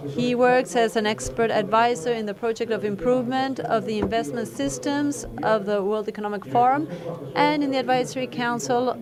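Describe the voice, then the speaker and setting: A woman who introduces a conference speaker and then interprets his talk, speaking in a measured way with frequent self-corrections. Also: a little high, steady tone, crowd noise.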